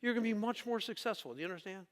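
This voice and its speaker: A man's voice: sits high, lively intonation, racing. A middle-aged male pastor giving a conversational sermon, emphatic and often asking the congregation rhetorical questions. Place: church sanctuary. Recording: long reverb of a church hall.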